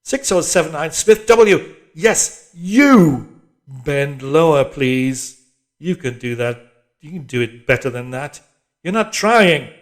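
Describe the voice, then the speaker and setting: A man's voice: fairly high pitch, animated, takes it slowly, voice pushed up. A man voicing a shrewish, bossy middle-aged woman barking exercise orders and patronising encouragement in an audiobook. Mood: barking, scolding. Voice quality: shrewish, strident. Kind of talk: audiobook character voice.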